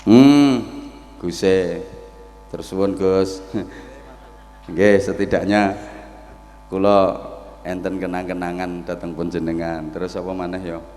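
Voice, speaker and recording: Slow, joking preacher with a Javanese accent. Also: male voice, sits low, steady tone, mellow, long reverb tail. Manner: joking, storytelling, teasing the crowd. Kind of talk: humorous sermon. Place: outdoor field before a large crowd.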